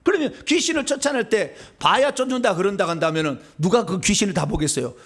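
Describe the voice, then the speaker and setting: Lively high-pitched Korean pastor preaching. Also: male voice, fast. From Seoul. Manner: conversational preaching, asks the congregation questions and answers them himself. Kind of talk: sermon.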